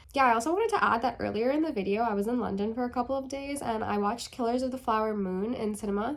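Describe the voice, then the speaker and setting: A woman races through her words very fast, hardly pausing, while noticeable noise carries on behind her. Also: ordinary pitch variation. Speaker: fashion and book vlogger. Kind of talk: casual vlog talk. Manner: casual, with many fillers.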